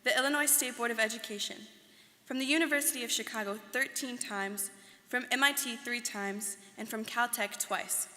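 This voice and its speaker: A bright, fairly high-voiced young woman acting as an earnest alumna recounting her life. She delivers a scripted stage reading in a measured way, with the long reverb of a hall around her. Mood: formal. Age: young adult. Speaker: student performer in a dramatic reading. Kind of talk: scripted first-person dramatic reading. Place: large hall.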